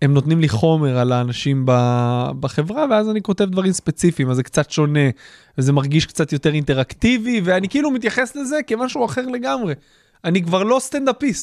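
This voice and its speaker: The voice rises and falls in very wide pitch swings at a fairly quick pace. The sound is dry and close with no echo, over a quiet background. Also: man, high pitch for a man. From Israel, Haifa area. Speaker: podcast host and stand-up comedian. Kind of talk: casual interview chat.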